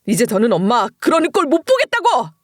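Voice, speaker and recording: A woman's voice: high-pitched, wildly swooping pitch, fairly quick, no room sound, studio quality, heavily acted. A woman voicing a fed-up husband who finally explodes. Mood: furious. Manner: pleading, then shouting in frustration. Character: exasperated young husband, normally quiet and reserved. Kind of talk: dramatized story reading.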